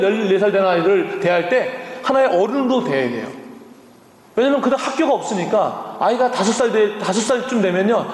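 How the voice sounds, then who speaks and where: Missionary guy in his 50s preaching, funny stories, highish voice, big echoey church hall. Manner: humorous, acts out voices in quotes. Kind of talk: sermon with storytelling. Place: church sanctuary.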